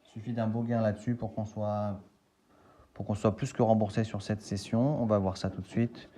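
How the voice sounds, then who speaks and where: A man's voice: fairly low pitch, steady tone, normal speed, mellow. A man casually thinking aloud and spelling out letters as he scratches lottery tickets for a video.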